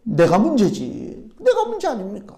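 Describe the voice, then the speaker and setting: A male pastor preaching a Sunday sermon, full of rhetorical questions and sudden shifts from loud to hushed. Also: high-pitched, wildly swooping pitch, normal speed, gravelly. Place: church sanctuary.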